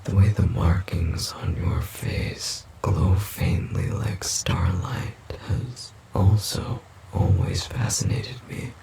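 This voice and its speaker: Audio roleplay forest demon male actor: slow, dark, breathy half-whisper, gentle and literal-minded, formal and hesitant. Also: sits low, exaggerated voice, low-quality recording. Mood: tender, fascinated.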